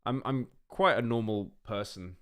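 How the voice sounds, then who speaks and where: A man's voice: mid-range voice, moderate pace, fairly bright tone. A man streaming live, chatting casually and rambling as he reacts to videos and talks to his chat. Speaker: livestreamer. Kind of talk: casual livestream reaction commentary.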